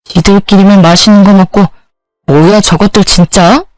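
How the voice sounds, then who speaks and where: A woman's voice: medium pitch, steady tone, moderate pace, a little mellow, no echo, lightly acted. A woman voicing an indignant young woman friend who swears bluntly. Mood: outraged.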